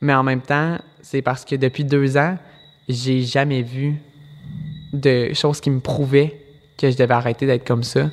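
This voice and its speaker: A man with a Quebec accent talks at a fairly slow pace, pausing long and often. His medium pitch stays monotone and flat, with music in the background. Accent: Québécois French. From Quebec City, Quebec. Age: 20s. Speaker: podcast guest. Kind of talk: personal interview.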